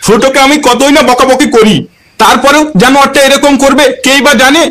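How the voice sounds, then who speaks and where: A woman doing a low gentle old grandpa. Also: steady tone, fairly quick, slight background noise. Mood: soothing. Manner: gentle, placating. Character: old grandfather, calm and soothing.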